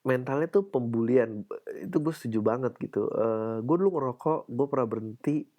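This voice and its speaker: A young man hosting a casual solo podcast, playful and quick to laugh, sometimes mimicking other people's voices. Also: mid-range voice, mellow. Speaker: podcast host.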